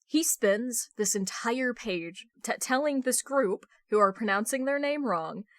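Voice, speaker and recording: A woman's voice: a little high, animated, measured pace, no echo, studio quality. A woman reading fan fiction as an amateur narrator, slipping between story narration and casual talk. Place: dry room at home.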